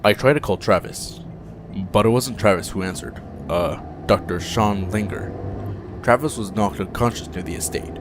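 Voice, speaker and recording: An actor playing a grave, loyal aide in an audio drama, speaking formally and deferentially. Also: male voice, on the low side, moderate pace, natural voice. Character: grave, formal, loyal male aide reporting to his boss. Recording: clear background ambient noise.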